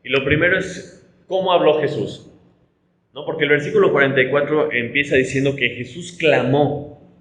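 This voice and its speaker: Mexican pastor teaching with roomy echo. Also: male voice, on the high side, fairly even intonation, normal speed, fairly bright tone. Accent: Mexican Spanish. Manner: explanatory, rhetorical tags, frequent restarts. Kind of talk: conversational Bible study teaching.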